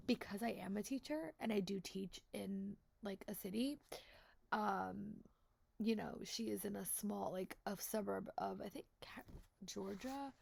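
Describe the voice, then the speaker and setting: A woman's voice: medium pitch, creaky, no echo. A woman book vlogger with a stuffy cold, chatting casually and repeating words with lots of fillers. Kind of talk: casual chat to camera.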